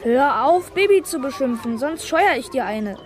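A woman's voice: sits high, animated, normal speed. A woman playing a bossy, hot-headed schoolgirl with a brash, taunting manner in a children's audio drama, over playground ambience. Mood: bossy, aggressive.

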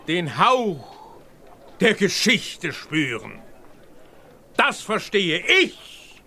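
An actor in his seventies playing a smooth-talking, scheming businessman who sways crowds with grandiose, theatrical oratory in a children's radio play. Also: high voice, sharp tone, exaggerated voice. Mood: solemn, persuasive. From Germany. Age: 70s. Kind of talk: 1990 German children's radio play acting.

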